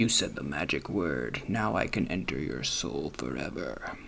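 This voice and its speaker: A man uses a put-on character voice, very deep and low, with a sinister tone. Background noise is clearly audible. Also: moderate pace. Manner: sinister, gloating.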